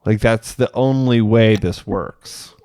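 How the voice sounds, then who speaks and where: A man's voice: on the low side, takes it slowly, darkish tone, no room sound. A man co-hosting a podcast as a mental health professional, speaking candidly and self-deprecatingly, thinking aloud with fillers. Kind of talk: casual podcast conversation.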